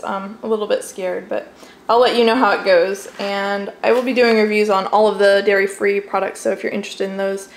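A young adult American woman narrating a casual, chatty home vlog from her kitchen, recorded on a camera mic. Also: mid-range voice. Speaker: home vlogger showing groceries. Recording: clearly noisy home camera audio.

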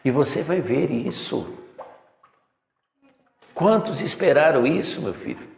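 A man's voice: on the high side, lively intonation, slow, creaky. A middle-aged man giving a spiritual lecture from a chair in a decorated room, preachy, calling listeners "my son", recorded from a far camera. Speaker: spiritual teacher. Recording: echoey room with long reverb.

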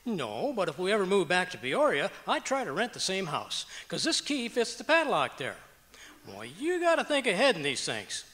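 A man's voice: sits high, wildly swooping pitch, moderate pace, fairly bright tone, heavily acted. A man playing a stubborn, blustery, folksy husband in an old-time radio comedy. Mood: self-important. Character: blustery, stubborn husband who hoards junk. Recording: echoey auditorium stage.

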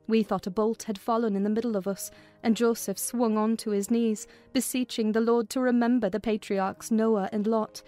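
A woman's voice: medium pitch, darkish tone. Woman narrating a classic novel over music. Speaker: audiobook narrator. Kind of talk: dramatized literary narration. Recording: music behind the voice.

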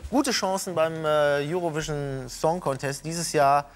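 A man's voice: a little high, a little slow, a little hiss or hum. A middle-aged man hosting a late-night TV talk show, joking casually with his guests and hesitating often. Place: TV studio with audience.

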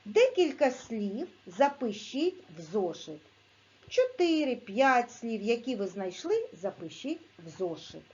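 A woman teaching a video lesson to young pupils, speaking clearly and patiently and sounding out letters and syllables. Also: fairly high pitch, sing-song, darkish tone, highs cut off. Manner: slow, clear, patient dictation-like instruction. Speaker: primary school teacher.

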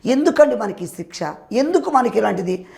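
A man's voice: very high-pitched, very animated, brisk, vocal fry, a little mellow, full character voice. A man voicing a grieving young mother in a retold sermon story who pleads through tears. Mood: pleading, tearful. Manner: tearful, pleading questions.

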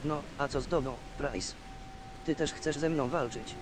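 An actor playing a bold young wandering fighter, the blunt and challenging hero of a fantasy video game. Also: male voice, on the high side, measured pace, close to an everyday voice. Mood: commanding. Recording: game audio with clear ambient noise.

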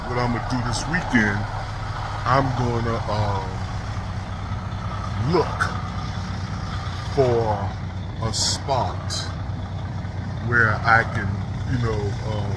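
A man in his fifties, a truck driver, talking unscripted into a phone held at arm's length as he walks a parking lot at night, rambling and repeating words. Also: fairly low pitch. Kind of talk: unscripted walking vlog. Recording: phone audio with outdoor traffic noise.

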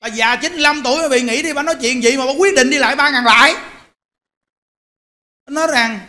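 Bright-voiced monk preaching in an animated, exhorting way. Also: male voice, very high voice, racing. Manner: animated, exhorting the audience, direct. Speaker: Buddhist monk. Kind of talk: sermon.

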